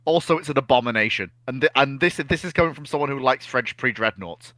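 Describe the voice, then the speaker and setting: A man's voice: mid-range voice, fast, sharp tone, no echo. A man giving opinionated casual commentary as a livestream panellist, emphatic and sarcastic in his manner.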